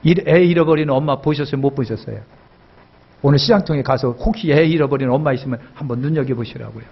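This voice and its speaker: A male pastor preaching a sermon with emphatic repetition, his voice swelling in pitch and loudness as he presses his points. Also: fast talker, vocal fry, slightly rough, dull audio.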